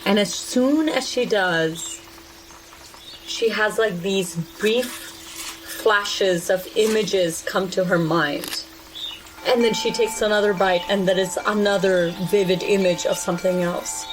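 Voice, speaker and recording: Woman, mid pitch, casual storytelling, halting loose phrasing, game player, faint noise.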